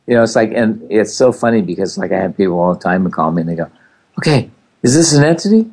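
A man's voice: deep voice, very fast, a little mellow, slightly rough. A man hosting a casual talk show, rambling with many fillers. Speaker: host. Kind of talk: casual chat. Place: California.

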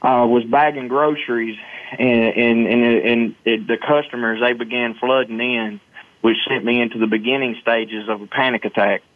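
A man's voice: mid-range voice, steady tone, moderate pace, no echo. Southern man on a phone-like line. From Arkansas, United States. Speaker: guest, motivational storyteller. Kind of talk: personal storytelling in an interview. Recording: muffled phone-like line, dry.

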